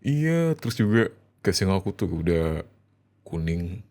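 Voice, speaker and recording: A man with a fairly low voice plays a doting husband in an ASMR roleplay. His pitch moves around a lot as he speaks tenderly to his wife. The delivery is expressive and a little hesitant. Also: measured pace. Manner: affectionate, hesitant, giggly, expressive acting. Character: affectionate, excitable young husband talking to his wife.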